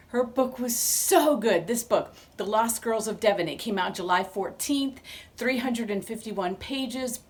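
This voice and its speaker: A woman in her fifties chatting enthusiastically to camera as she reviews a book she loved. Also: medium pitch. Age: 50s. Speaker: book vlogger.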